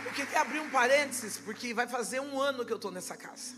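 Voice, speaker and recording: A Brazilian woman pastor giving a testimony sermon at a church service, impassioned and rising to shouted preaching. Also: fairly high pitch, lively intonation, quick pace, over loud music. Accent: Brazilian Portuguese.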